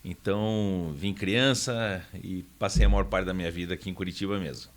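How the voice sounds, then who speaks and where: A man's voice: low-pitched, steady tone, normal speed. A man in his fifties from southern Brazil, a guest in a radio studio interview, speaking hesitantly with frequent fillers and restarts. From Paraná, Brazil. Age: 50s. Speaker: guest, honorary consul.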